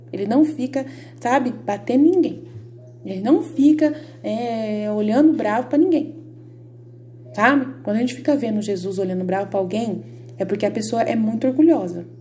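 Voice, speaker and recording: A woman with a Brazilian Portuguese accent gives a devotional talk in a warm, mellow voice that sits a little high. She speaks directly and insistently to her listeners and drives her points home by repeating them. A faint hum runs underneath. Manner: emphatic and repetitive, addresses viewers directly. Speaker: Catholic lay teacher. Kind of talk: informal devotional teaching.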